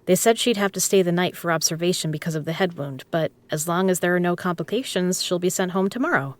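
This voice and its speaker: A woman's voice: on the low side, fast, dry recording, lightly acted. A woman playing a tough, teasing poker club owner with a dry, casual manner in an audio drama. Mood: wry, teasing. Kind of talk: scripted audio roleplay spoken to the listener.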